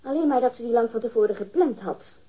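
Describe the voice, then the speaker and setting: A woman's voice: on the high side, animated, fast talker. An actress in a radio drama playing a curt, impatient woman being questioned. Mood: cool, impatient. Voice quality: husky. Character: curt, impatient female witness under questioning. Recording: dull, lo-fi radio sound.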